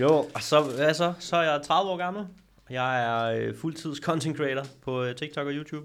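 With a normal speaking voice, this man goes fairly slowly, and his pitch varies an ordinary amount. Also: fairly high pitch for a man. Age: 30s. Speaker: TikTok content creator. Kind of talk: casual chat.

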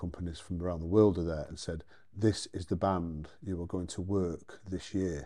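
A man with a Mancunian accent speaks at a moderate pace in a very deep, low, dark and mellow voice. His intonation is fairly even, and the background is quiet. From Manchester, England. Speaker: drummer and drum teacher. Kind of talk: casual interview. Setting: his drum studio.

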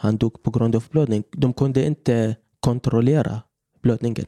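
With an Arabic accent, this voice has a dark, mellow tone, ordinary pitch variation and a fairly slow pace, recorded dry and close with no echo. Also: man. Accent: Arabic-accented Swedish. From Iraq. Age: 30s. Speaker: hemophilia patient. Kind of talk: personal conversation, life story. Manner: halting, many fillers.

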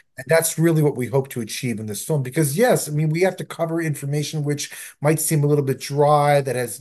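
Against a quiet background, a somewhat breathy man talks at a fairly quick pace and a fairly high pitch. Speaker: film producer. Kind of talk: interview.

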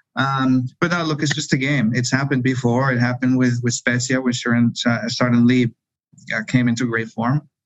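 In a Spanish accent, a man speaks with monotone, flat intonation. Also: medium pitch for a man, moderate pace. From Colombia, Bogota. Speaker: football club owner. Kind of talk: interview.

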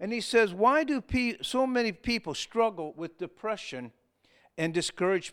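A man's pitch swings very widely. The recording is very clean, with a silent background. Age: 60s. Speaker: missionary guest preacher. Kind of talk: sermon. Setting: church.

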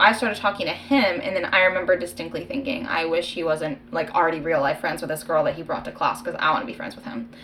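Through noticeable background noise, a woman with an American accent speaks in an animated tone with very wide pitch swings. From Chicago. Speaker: comedy podcast co-host, improviser. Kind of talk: casual chat.

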